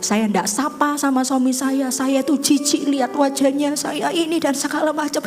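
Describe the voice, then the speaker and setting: A woman's voice: high-pitched, steady tone, normal speed, a little mellow, faint music behind, natural voice. A woman preacher voicing a hurt wife. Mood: plaintive. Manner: plaintive, complaining. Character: hurt, disgusted middle-aged wife pleading.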